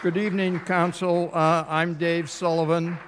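An older man speaks slowly in a Boston accent, his voice slightly high for a man. He gives informal public remarks with a halting, hesitant delivery. The sound rings with the long reverb of a hall. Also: flat delivery, a crowd in the background, noisy background. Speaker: public commenter at a city council meeting.

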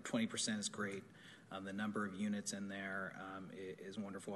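A man's voice: fairly low pitch, fairly bright tone, a little hiss or hum. A man speaking as a planning commissioner in a public meeting, hesitant and full of fillers.

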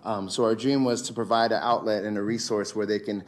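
A man who co-founded a community group, giving a heartfelt, halting acceptance speech at a podium microphone. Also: lowish voice, steady tone. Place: city council chamber.

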